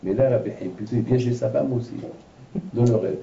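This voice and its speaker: At an evening lecture in a large, echoey room, a rabbi with a very mellow, dark, creaky mid-range voice teaches Torah at a fairly quick pace, becoming an animated storyteller who acts out the voices in his anecdotes. Captured from a distance, the recording is dull and lo-fi, with a little hiss or hum.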